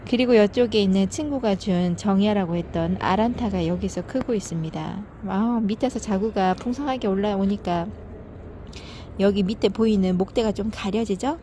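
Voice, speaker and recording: A woman's voice: medium pitch, moderate pace, mellow, a little hiss or hum. A woman filming her home veranda garden, talking fondly and chattily about each plant with little sighs. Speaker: succulent gardening vlogger. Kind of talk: casual narration while filming plants.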